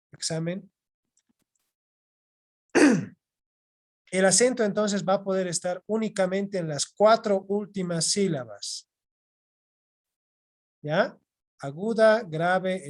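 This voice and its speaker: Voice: mid-range voice, unhurried, pauses often. Patient teacher, online class. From Bolivia. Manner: patient, repeats points, checks in with "¿ya?". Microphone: video call microphone.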